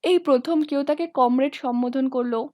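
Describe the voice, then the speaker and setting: A woman reading a novel aloud as an audiobook, in a steady storytelling manner. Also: high voice, moderate pace, no room sound, studio quality. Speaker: audiobook reader.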